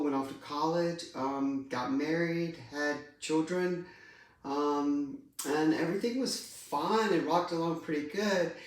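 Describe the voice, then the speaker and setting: A middle-aged trans woman telling a personal story in a vlog, halting and hesitant. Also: deep voice. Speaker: vlogger. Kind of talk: personal confessional vlog talk. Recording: very echoey room, distant mic.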